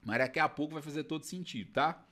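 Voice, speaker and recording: A man's voice: on the high side, fast, bright, forceful tone. A man hosting a casual legal commentary video, chatting directly to his viewers.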